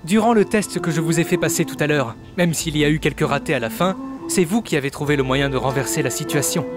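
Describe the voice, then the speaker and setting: A man's voice: fairly high pitch, fast, over music, close to an everyday voice. A man playing an affable young servant of a noble clan in a game dub, speaking politely and formally. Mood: courteous, friendly. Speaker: amateur voice actor dubbing a game character. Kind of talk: scripted game dialogue dub.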